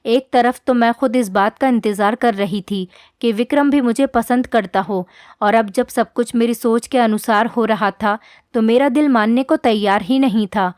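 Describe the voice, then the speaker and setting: Female narrator, earnest scripted storytelling, higher register, dry close-mic sound. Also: normal speed, a little mellow, no room sound. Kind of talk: first-person scripted storytelling.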